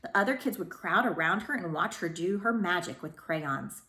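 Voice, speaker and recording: A woman speaking as a school librarian who reads storybooks aloud to children in an expressive way. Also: fairly low pitch, moderate pace, echoey room. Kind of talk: storybook read-aloud with informal introduction.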